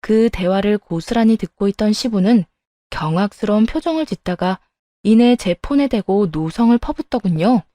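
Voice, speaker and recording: 차분한 여성 사연 낭독. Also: female voice, medium pitch, animated, moderate pace, warm tone, no room sound, clean studio sound. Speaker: narrator of a true story. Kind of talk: scripted story narration.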